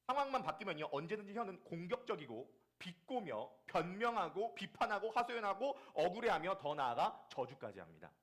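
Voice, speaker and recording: A man preaching a Sunday sermon as the church's pastor, telling stories with acted asides. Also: fairly high pitch. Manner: lively storytelling with acted asides.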